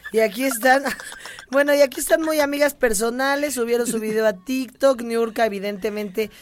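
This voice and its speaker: A woman's voice: on the high side, normal speed, slight background noise. A woman with a Mexican accent co-hosting a gossip podcast, sarcastic and chatty, often laughing. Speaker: podcast co-host. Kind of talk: casual gossip chat.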